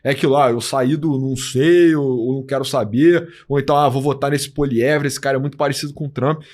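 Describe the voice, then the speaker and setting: A man co-hosting a podcast, chatting about politics in an animated way, full of fillers. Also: mid-range voice, fast. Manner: animated, lots of fillers like tipo and né. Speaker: podcast co-host. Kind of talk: casual political chat.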